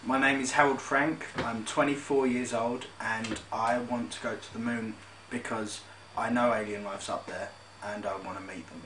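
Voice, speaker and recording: A man plays a naive young man who dreams of meeting aliens. His voice is mid-pitched, and he sounds far from the mic in an echoey room. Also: fairly even intonation, normal speed, a bit bright, slight background noise, lightly acted. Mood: eager. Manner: eager, naive. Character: earnest young man eager to meet aliens, 24.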